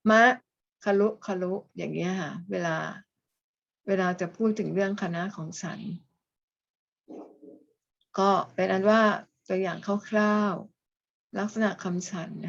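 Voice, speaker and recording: A woman teacher giving a class lecture, explaining step by step and often adding soft polite endings. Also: mid-range voice. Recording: slightly dull, lo-fi.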